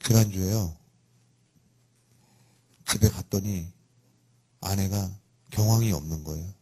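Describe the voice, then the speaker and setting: A middle-aged man preaches a sermon in a fairly low, husky voice. He tells a personal story in a lively way. His voice often leaps up high and loud for emphasis. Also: measured pace. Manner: animated storytelling with sudden loud emphatic rises. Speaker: pastor.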